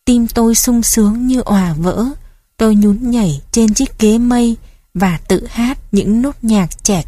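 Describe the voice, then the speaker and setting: A woman reading a first-person memoir story aloud in a gentle, reflective storytelling manner. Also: mid-range voice, no room sound. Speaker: narrator. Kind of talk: scripted narration of a memoir story.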